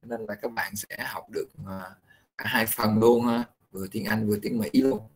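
A man's voice: fairly low pitch, fairly even intonation, slightly rough, low-quality recording. Patient male teacher. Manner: patient, pausing often to explain slowly. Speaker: English pronunciation teacher. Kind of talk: classroom instruction mixing Vietnamese and English.

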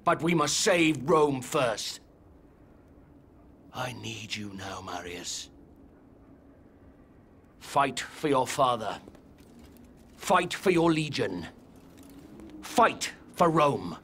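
An actor playing a resolute Roman military commander in a video game, measured, urgent and commanding. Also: male voice, a little high, expressive, a bit bright, a little hiss or hum. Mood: grave resolve. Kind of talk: dramatic video game acting.

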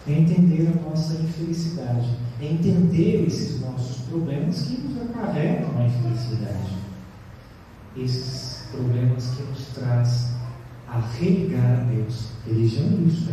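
A man's voice: fairly high pitch, dark tone, slight background noise. A Brazilian man in his thirties gives a spiritist lecture at a stand mic, posing rhetorical questions with emphasis. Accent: Brazilian Portuguese. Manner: rhetorical questions, emphatic, gesturing with a paper in hand. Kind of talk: sermon-like lecture. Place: large hall with bare brick wall, indoors. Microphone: stand mic at chest height. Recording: distant echoey hall recording.

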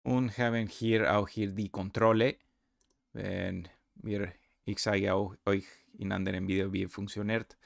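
A non-native man with a foreign accent giving a software tutorial, halting and searching for words. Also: fairly low pitch, level tone, gravelly, no echo, clean studio sound. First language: not German. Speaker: presenter.

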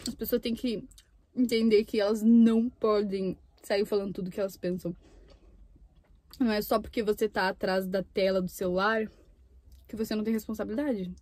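A woman's voice: medium pitch, flat delivery, moderate pace, darkish tone. A young woman from Brazil chatting casually between bites of food while filming a mukbang in a parked car, with the camera on the dashboard. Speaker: mukbang YouTuber. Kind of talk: casual chat while eating.

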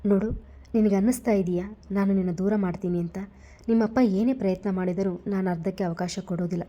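A woman's voice: mid-range voice, steady tone, a little fast, warm tone, highs cut off, natural voice. A woman voicing a devoted young man who comforts his beloved and threatens her father in a narrated romance story. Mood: tender. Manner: tender but flaring into anger. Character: devoted young man, protective and hot-tempered lover.

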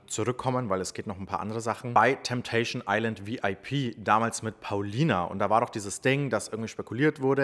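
A young man talks through celebrity news in a casual, chatty way. His tone is often sarcastic, and he fills his speech with little hesitations. His voice sits at an ordinary middle pitch. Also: a bit bright. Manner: chatty, sarcastic, lots of fillers. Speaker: commentary YouTuber.

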